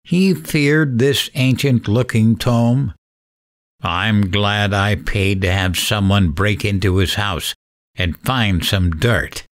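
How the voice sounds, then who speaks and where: A man playing a mad, grieving radio host out for revenge in an audio drama, taunting in a theatrical, deliberate way. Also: lowish voice. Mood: brooding narration. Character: mad, vengeful, grieving male late-night radio host. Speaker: radio show host character.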